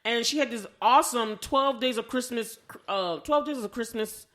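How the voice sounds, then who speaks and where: A woman chatting casually as a podcast co-host, telling stories in an animated, exclamatory way while reviewing a film. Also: fairly high pitch, moderate pace.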